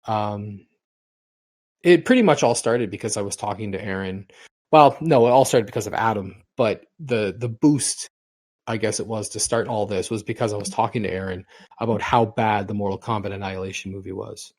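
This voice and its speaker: A middle-aged man on a casual podcast, co-hosting, has a fairly low and slightly mellow voice at a normal speed. He spins long, drifting stories, often saying things twice and restarting words.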